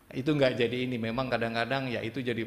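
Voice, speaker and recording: There is audible room echo around a man's voice. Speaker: pastor. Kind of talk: sermon. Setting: church. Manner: conversational, engages congregation.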